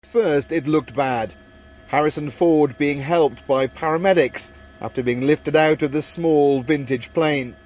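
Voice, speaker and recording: Male reporter for scripted news voice-over, voice a little on the high side. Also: measured pace, a little mellow, slight background noise.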